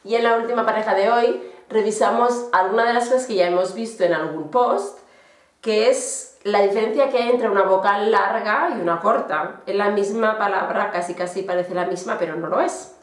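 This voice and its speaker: A woman giving a casual German lesson, explaining slowly with fillers. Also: medium pitch. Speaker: German teacher. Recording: echoey room.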